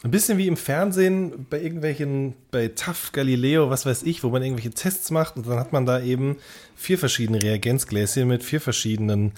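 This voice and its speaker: This male podcast co-host has a mid-range, darkish voice and speaks fairly quickly. His casual chat is wordy and circles around the point, and he often corrects and rephrases himself along the way.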